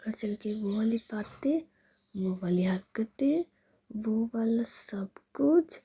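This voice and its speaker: A coaxing, doting young woman who pleads and teases her sulking partner, whispered by a woman telling a love story. The whispered role-play is breathy and gravelly, with a deep mellow tone. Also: lively intonation, slow, heavily acted.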